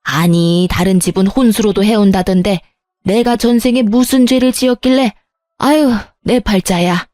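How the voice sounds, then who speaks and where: A woman's voice: medium pitch, normal speed, mellow, dry recording, close to an everyday voice. A woman voicing a scornful middle-aged mother-in-law who sighs, nags and belittles. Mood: grumbling. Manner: sighing, nagging and belittling.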